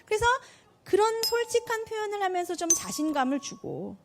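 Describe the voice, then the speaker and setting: A woman giving a lively parenting talk to an audience. She asks the audience questions, answers them herself, and acts out what parents and kids say in quick little voices. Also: extremely high pitch, slight background noise. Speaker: parenting speaker.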